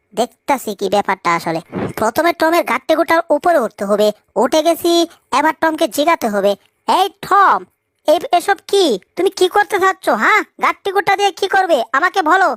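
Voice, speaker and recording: A cartoonish character voice rings out at an extremely high pitch. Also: moderate pace. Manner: gloating, teasing.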